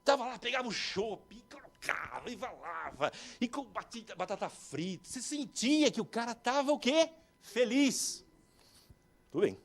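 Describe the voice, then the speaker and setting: A man's voice: very high voice, moderate pace, creaky. A middle-aged Brazilian man giving a motivational business talk, telling stories and acting out the dialogue for his audience. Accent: Brazilian Portuguese. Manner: animated, acts out dialogue, addresses audience directly.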